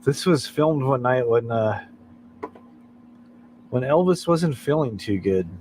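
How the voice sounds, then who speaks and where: An easygoing man chats casually on a late-night livestream, rambling between clips. He speaks at an unhurried pace in a medium voice. Faint background noise sits behind him. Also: mid-range voice, animated, a little mellow, rough recording. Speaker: livestream host.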